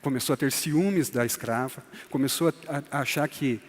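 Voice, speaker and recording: A man's voice: medium pitch, moderate pace. A man teaching a church couples course in a conversational way, often tagging his sentences with a questioning "né?". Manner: conversational, tags lines with "né?", acts out quoted voices. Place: church hall. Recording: long hall reverb.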